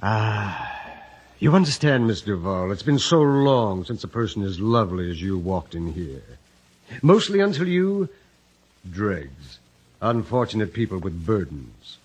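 A man playing a smooth, condescending lawyer in a 1950s radio drama, with a husky voice and courtly, deliberate delivery. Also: lowish voice, sing-song, heavily acted. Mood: oily, courtly. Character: smooth, evasive, condescending male lawyer in Havana. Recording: muffled early 1950s radio recording.

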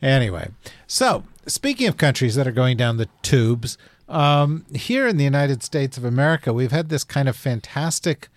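A man from New Jersey hosting a casual panel chat, wry and joking, halting with fillers. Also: mid-range voice, animated. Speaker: podcast host.

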